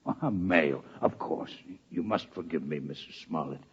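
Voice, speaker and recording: An actor playing a courteous, scholarly alien doctor with formal, precise diction, in a 1950s radio drama. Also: male voice, very deep voice, unhurried, breathy edge, heavily acted. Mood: formal, apologetic. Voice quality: imperfect articulation from an oddly built mouth. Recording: muffled old radio recording with long reverb.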